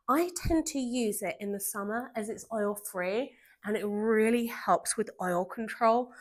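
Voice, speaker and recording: Woman, nasal from a cold, stuffy, chatty beauty vlogger, enthusiastic, mid-pitched voice. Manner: chatty, enthusiastic, gushing about products. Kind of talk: casual product review walkthrough.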